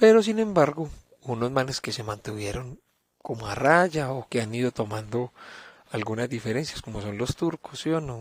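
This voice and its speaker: A man speaks at a medium pitch with a Colombian paisa accent. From Colombia, Antioquia (paisa). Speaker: podcast host. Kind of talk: casual history podcast narration. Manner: casual, humorous, chatty.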